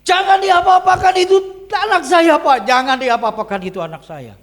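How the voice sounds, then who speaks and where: Man doing a shrill pleading woman. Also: moderate pace, fairly bright tone. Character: frantic well-dressed middle-aged woman pleading with police. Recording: long church-hall reverb.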